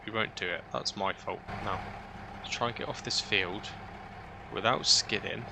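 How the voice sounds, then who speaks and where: A man's voice: lowish voice, moderate pace, gravelly. A British man giving casual gameplay commentary, thinking aloud chattily and often tagging questions onto his own remarks. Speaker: gaming video host. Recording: noisy, vehicle-like engine ambience.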